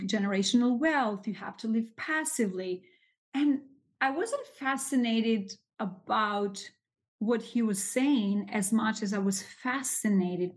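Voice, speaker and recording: A woman in her forties, a guest on a business podcast. She recounts her journey in a lively, expressive, conversational way. Her voice sits at an ordinary middle pitch. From Albania. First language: Albanian. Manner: expressive, animated storyteller. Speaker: guest, real estate capital raiser. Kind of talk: casual interview storytelling.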